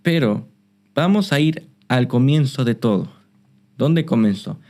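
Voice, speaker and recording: A man hosting a Christian interview, measured, often repeating his guest's words back. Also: mid-range voice, expressive, dark tone. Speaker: host.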